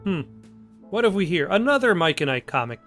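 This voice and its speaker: A man provides relaxed gameplay commentary as a let's play host. His voice is a bit high, and he thinks aloud with dry jokes. Soft music runs behind him. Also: fairly quick. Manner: dry joking, musing aloud.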